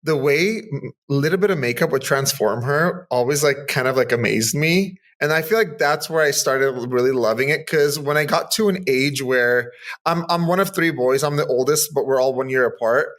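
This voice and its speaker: A man's voice: mid-range voice, normal speed, a bit bright. A man in his thirties from Southern California, chatting upbeat as a podcast guest, full of casual fillers. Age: 30s. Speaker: guest, makeup artist. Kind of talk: casual interview chat.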